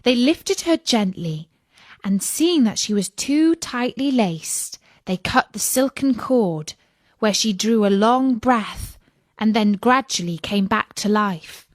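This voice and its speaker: A woman reading a fairy tale aloud for English learners in a slow, expressive storytelling manner. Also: a little high, dry recording, studio quality.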